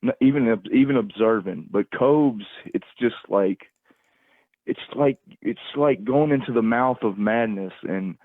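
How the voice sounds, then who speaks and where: A man calling in to a livestream over a phone, rambling casually in a halting, repetitive way as he searches for words. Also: medium pitch, no echo. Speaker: call-in caller on a livestream. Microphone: phone call. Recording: tinny, narrow phone-call line, dry.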